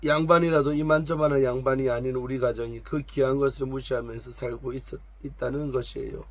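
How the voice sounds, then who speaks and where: A man's voice: mid-range voice, steady tone, brisk, close to an everyday voice. A man reading aloud the lines of a proud, complaining woman of 45 from a noble family. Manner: complaining, defensive, pleading.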